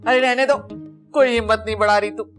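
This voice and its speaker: A high-pitched, theatrical old mother played by a woman, a bossy hypochondriac who wails and groans over every ache. She speaks with a Pakistani Urdu accent, and soft music plays faintly behind her. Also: steady tone, fast talker, lightly acted. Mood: wailing. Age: older. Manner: wailing, theatrical complaining. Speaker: ailing mother-in-law. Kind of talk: sitcom acting.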